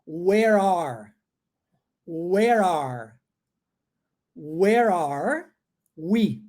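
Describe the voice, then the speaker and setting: A man's voice: high voice, warm tone. Man from New Jersey teaching pronunciation. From United States, New Jersey. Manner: chuckles often, repeats English words slowly for drilling. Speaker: English teacher. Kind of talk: pronunciation lesson.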